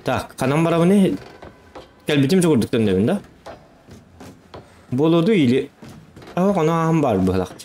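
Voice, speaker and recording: A man's voice: a little high, sing-song, normal speed, long pauses, dark tone. A man giving casual live gameplay commentary, muttering remarks to himself as he plays. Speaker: game streamer. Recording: game noise and engines behind the voice.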